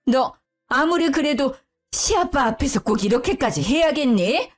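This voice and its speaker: A woman voicing a meddling older mother-in-law with a high, shrill, whiny voice in a spoken story. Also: expressive, moderate pace, faint music behind. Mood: scolding.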